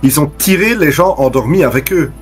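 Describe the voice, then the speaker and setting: A man's voice: a little high, expressive, a little fast, faint music behind. A man taking part in a tabletop role-playing game, reasoning aloud in casual, colloquial talk.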